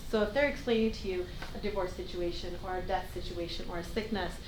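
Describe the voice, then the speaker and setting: A woman's very fast speech with lively intonation, audible room echo and noticeable background noise. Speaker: real estate sales trainer. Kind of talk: training session. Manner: animated.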